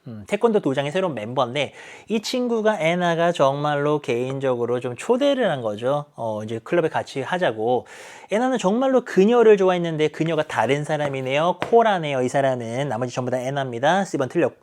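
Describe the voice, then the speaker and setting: Lively male teacher explaining exam answers. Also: fairly high pitch. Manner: lively, acts out characters' lines while explaining. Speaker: English teacher.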